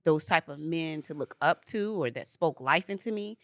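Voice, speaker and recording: A woman's voice: sits low, animated, normal speed, dry recording, clean studio sound. A woman in her forties co-hosting a podcast, telling a story in casual chat and laughing easily. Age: 40s. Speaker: podcast co-host.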